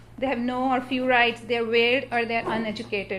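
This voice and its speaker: A woman's high voice in a Pakistani accent, with audible room echo. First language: Urdu. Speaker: panel speaker. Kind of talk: panel talk. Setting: church with audience. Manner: halting.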